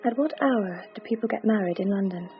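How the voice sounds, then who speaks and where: An actress playing a lively, teasing young Victorian woman in a radio drama who talks in an eager, coaxing way. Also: mid-range voice, fairly quick, faint music behind, natural voice. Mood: wistful. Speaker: actor. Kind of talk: period radio drama acting. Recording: dull, slightly muffled broadcast audio.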